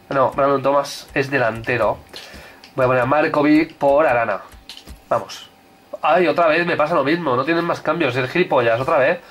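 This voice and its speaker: A young man giving excitable commentary on his football video game career, shouting at chances and goals. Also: mid-range voice. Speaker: gaming youtuber.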